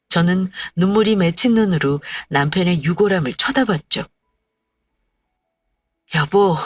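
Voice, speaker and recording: A woman's voice: on the low side, no room sound. A woman narrating a first-person story in a scripted, confiding and emotional way. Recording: dry, slightly distant, faint music.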